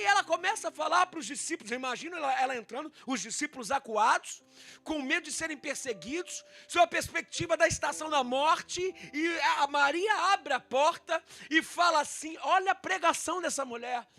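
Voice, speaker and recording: His very high-pitched voice has a gravelly texture. This male pastor, speaking with a Brazilian Portuguese accent, gives a dramatic sermon to his congregation and acts out the scripture dialogue in loud swings.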